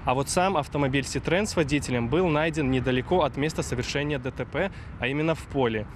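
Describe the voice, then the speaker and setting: A young man in uniform reports figures in a flat official tone, speaking into a handheld mic on a street. Traffic and outdoor noise sit clearly behind him. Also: mid-range voice, fast. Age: young adult. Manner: formal, bureaucratic reporting tone. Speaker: traffic police inspector. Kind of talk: official interview statement.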